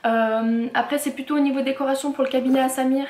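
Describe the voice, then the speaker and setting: Woman vlogger, casual and rambling, slightly high voice, roomy echo. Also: steady tone, fast talker, a little mellow. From France. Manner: chatty, many fillers and restarts. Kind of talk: casual haul vlog.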